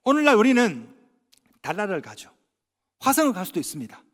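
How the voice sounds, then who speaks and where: A man's voice: high voice, a little fast. A male pastor from Gyeongsang Province preaching a sermon, telling humorous stories and acting out bits of dialogue. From Gyeongsang Province, Korea. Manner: animated, humorous storytelling with acted-out dialogue. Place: church sanctuary. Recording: long church reverb.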